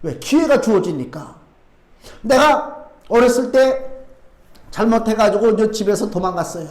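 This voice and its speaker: High-voiced pastor preaching in echoey church. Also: male voice, expressive, normal speed, darkish tone. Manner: conversational preaching with rhetorical questions and asides. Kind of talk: sermon. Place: church sanctuary.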